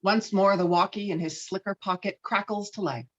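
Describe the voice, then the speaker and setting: A woman's voice: mid-range voice, fairly even intonation, moderate pace. A woman reading screenplay stage directions as dramatic scripted narration. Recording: slightly dull, lo-fi microphone.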